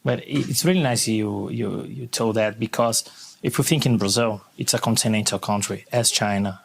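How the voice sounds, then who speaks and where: A man's voice: lowish voice, moderate pace, vocal fry. A man hosting a podcast, asking earnest, curious questions in English whose phrasing shows Portuguese is his first language. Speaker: podcast host. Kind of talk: interview questions.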